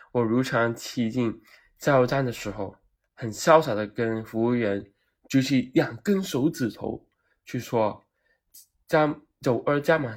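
Brief: man from Hong Kong with a Cantonese accent, animated self-mocking vlog storyteller, mid pitch. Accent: Cantonese-accented Mandarin. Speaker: vlogger. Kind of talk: comedic personal storytelling.

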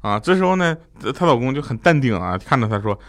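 A man hosting a comedy show, telling funny family stories and acting out his shouting relatives. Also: medium pitch, very animated, quick pace. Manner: tells jokes and acts out shouting relatives. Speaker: comedy podcast host. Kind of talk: comic storytelling.

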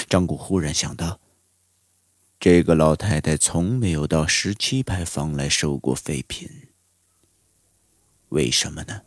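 A man narrating a horror audiobook in a slow, suspenseful storytelling manner. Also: very deep voice, vocal fry, husky, dry recording, clean studio sound. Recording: audiobook with background music.

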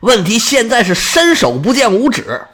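A man's voice: very high voice, wildly swooping pitch, normal speed, fairly bright tone, slightly rough, full character voice. A man voicing a tense, dutiful male warrior who speaks earnestly. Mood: urgent.

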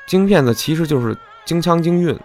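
A man's voice: a little high, lively intonation, brisk, a little mellow, faint music behind. A man hosting a podcast, explaining in a chatty, folksy way and often asking his listeners "right?". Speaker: podcast host. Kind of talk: casual explanatory monologue.

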